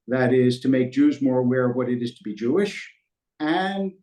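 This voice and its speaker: A middle-aged man, a rabbi, answering interview questions in a measured, reflective way and telling anecdotes. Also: mid-range voice, lively intonation, warm tone. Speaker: rabbi, guest. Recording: roomy echo.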